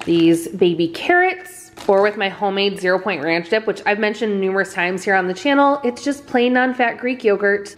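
A woman in her thirties casually narrating a grocery haul in her home kitchen, chatty and relaxed, with easy fillers. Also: mid-range voice, slight background noise. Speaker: vlogger.

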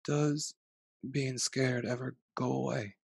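A man's voice: medium pitch, level tone, slow, vocal fry, darkish tone, slightly rough, no room sound, clean studio sound, pitched above the performer's own voice, exaggerated voice. A man voicing an anxious, tender little boy in a storybook, asking questions in a plaintive, curious way. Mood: worried, tender.

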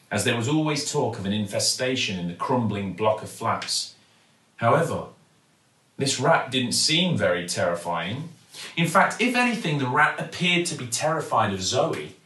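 Man, British accent, expressive storybook reader, dramatic pauses, medium pitch, roomy home recording. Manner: theatrical, with dramatic pauses and emphasis. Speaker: actor reading a bedtime story. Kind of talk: expressive children's storybook narration. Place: living room at home, indoors. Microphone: camera or phone a few feet away. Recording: roomy, mic at some distance.

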